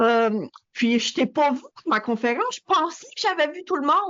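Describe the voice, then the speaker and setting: A woman speaks in an Acadian accent, her pitch high and swinging very widely. Her pace is moderate. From Havre-Saint-Pierre, Côte-Nord, Quebec (Acadian community). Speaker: customer service trainer and consultant. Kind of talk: podcast interview.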